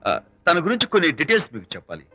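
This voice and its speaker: A charming, teasing young hero in a film. His voice is very bright and lively, and he slips English words in playfully. The film sound is a little dull, with music beneath. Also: fairly high pitch, racing, full character voice. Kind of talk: film dialogue.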